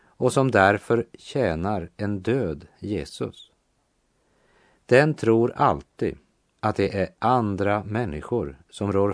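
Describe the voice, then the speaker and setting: A man preaching a sermon on a Bible passage in a calm, measured way, slowing down to stress key phrases. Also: lowish voice, no echo, studio quality.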